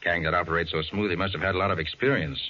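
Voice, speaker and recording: An actor playing a confident, brisk private detective in a 1940s radio crime drama, speaking in a firm, assured way. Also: male voice, deep voice, steady tone, pushed and bright. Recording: dull vintage 1940s radio recording.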